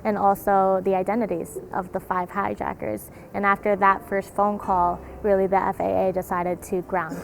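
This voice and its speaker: A woman explaining history in an interview in a measured, explanatory way, like an educator. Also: mid-range voice, level tone, gravelly.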